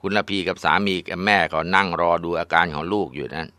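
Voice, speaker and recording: A man's voice: deep voice, steady tone, quick pace, sharp tone, clear, resonant tone, dry recording. A man casually narrating a ghost story in a conversational way.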